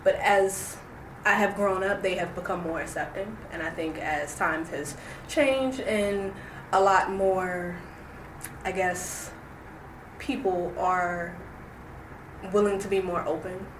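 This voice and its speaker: A woman's voice: lowish voice, slow pace, background noise. Reflective woman, echoey room. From Roanoke, Virginia. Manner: reflective, hesitant, many fillers and restarts. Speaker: interviewee. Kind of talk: oral history interview.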